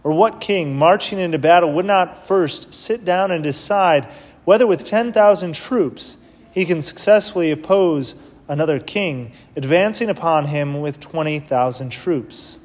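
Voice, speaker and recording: A man with a somewhat high voice reads scripture as a priest and then talks through his homily in an easy, conversational manner. The words ring out with the long cathedral echo of a large church. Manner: measured reading, then plain conversational preaching with fillers. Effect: cathedral echo, long church reverb. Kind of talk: gospel reading and homily at Mass. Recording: long reverb of a big church.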